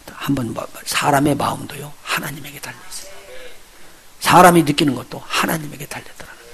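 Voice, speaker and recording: Pastor guy preaching, kinda high gravelly voice, acts out the story, keeps asking the crowd stuff. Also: a little fast. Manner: lively storytelling, acts out the characters he retells; addresses the congregation directly with questions. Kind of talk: sermon.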